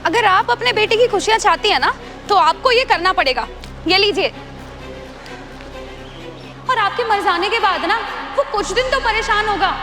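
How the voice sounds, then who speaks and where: A woman's voice: very high voice, animated, moderate pace, long pauses, pushed and bright, soft background music, heavily acted. An actress playing a bold young woman who insists and schemes, in a web drama. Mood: scheming. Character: young scheming woman, daughter-in-law or niece.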